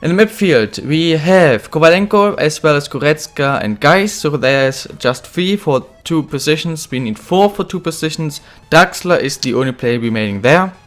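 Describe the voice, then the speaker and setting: A man's voice: on the high side, animated, normal speed, hardly any pauses, fairly bright tone, faint music behind. Slightly ill man, rambling gameplay commentary. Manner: rambling, with many fillers and self-corrections. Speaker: gaming video host.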